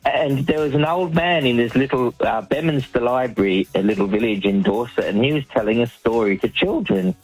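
A man's voice: mid-range voice, brisk, few pauses, husky, no room sound, soft background music, low-quality recording. Chatty male storyteller calling in. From Australia. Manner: chatty, anecdotal, with frequent ums and restarts. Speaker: caller, professional storyteller. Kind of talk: telling his life story on a radio phone-in.

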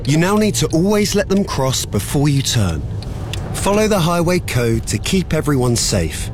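Man reading a road safety ad, slightly high, lively tone, cars audible behind. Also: moderate pace. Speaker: public service announcer. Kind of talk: scripted public safety message. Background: car and traffic noise.

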